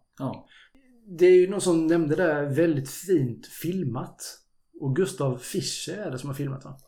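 A man with an ordinary speaking voice and fairly high pitch talks at a moderate pace with ordinary pitch variation. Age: 30s. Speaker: podcast co-host. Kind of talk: casual chat.

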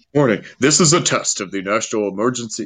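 In a quiet background, a man rattles off a put-on character voice at a very fast pace and a medium pitch.

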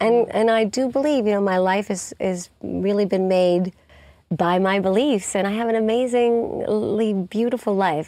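A woman with an American accent, an unremarkable speaking voice, medium pitch and ordinary pitch variation. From New York. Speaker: voice actress. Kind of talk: casual interview.

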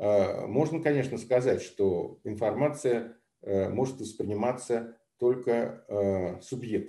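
A man with a dark, mellow tone speaks very slowly, keeping his loudness very even and his pitch varying in an ordinary way. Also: medium pitch for a man. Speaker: professor. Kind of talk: interview. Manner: hesitant, many fillers.

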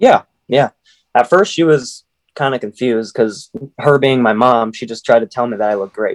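A normal speaking voice from a man, medium in pitch with ordinary pitch variation, at a moderate pace, in a dry, close sound with no echo. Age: 20s. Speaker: weight loss guest. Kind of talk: casual interview.

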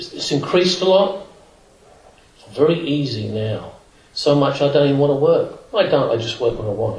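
Long, frequent pauses break up speech delivered at a fairly quick pace, with lively intonation and big swings in loudness over noticeable background noise. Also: man, fairly high pitch for a man. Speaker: retreat participant. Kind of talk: group dialogue.

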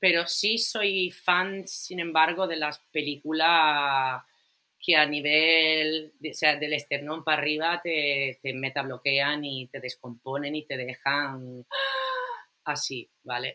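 At a very slow pace, a woman with an Italian accent speaks in a very deep, low pitch with ordinary pitch variation. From Italy. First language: Italian (speaking Spanish). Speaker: film art director. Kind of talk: interview.

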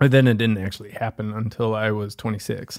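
Speech comes at a moderate speed. Nothing sounds in the background of this very clean recording. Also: man. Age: 40s. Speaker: hiker and traveler. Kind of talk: casual chat.

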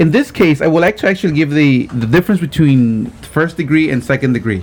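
A man with a Spanish accent speaks at a very fast pace with lively intonation. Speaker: podcast co-host. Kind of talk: casual chat.

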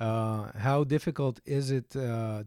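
A man with an Israeli accent speaks in a dark, mellow tone. The sound is dry and close with no echo, on a very clean recording with a silent background. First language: Hebrew. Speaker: podcast co-host. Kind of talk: interview. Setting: studio.

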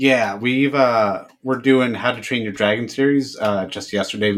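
At a moderate pace, a man talks in a plain, everyday voice with ordinary pitch variation. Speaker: podcast host. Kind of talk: casual chat about movies.

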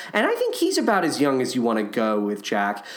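Delivered at a fairly quick pace in an animated tone, the speech comes with noticeable background noise and audible room echo. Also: man. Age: 30s. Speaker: podcast host. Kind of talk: solo podcast commentary.

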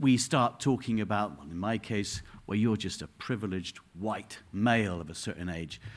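This man has a plain, everyday voice. His intonation is lively and his pace moderate. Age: middle-aged. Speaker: professor of education. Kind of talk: panel debate.

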